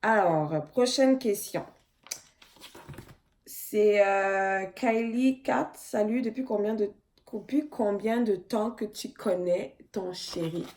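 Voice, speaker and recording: A woman's voice: medium pitch, takes it slowly, darkish tone. A young woman from Cameroon, answering viewer questions in a frank, blunt, casual vlog.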